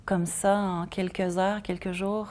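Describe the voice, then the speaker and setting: Mellow-voiced woman TV host. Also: mid-range voice, flat delivery, measured pace. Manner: friendly, prompting questions. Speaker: community TV host. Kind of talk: interview host. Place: community TV studio.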